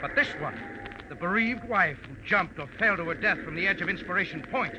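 An actor playing a cold, scheming killer in a 1940s radio drama. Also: male voice, sits high, lively intonation, brisk. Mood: menacing. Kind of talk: 1940s radio villain acting. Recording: noisy old radio recording.

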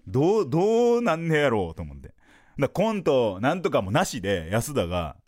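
A man with a Kansai Japanese accent and a mid-range voice hosts a podcast, speaking fairly quickly. A comedian, he tells a funny story in an animated, lively way, acting out lots of quotes.

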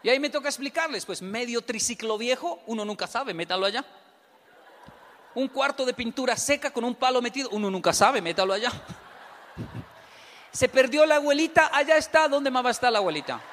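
A man's voice: extremely high pitch, brisk, slight background noise. A Colombian man telling funny stories to an audience and acting out both sides of each conversation. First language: Spanish. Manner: animated storytelling, acts out both sides of dialogues. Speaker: speaker. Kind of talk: humorous talk to an audience. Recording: long hall reverb.

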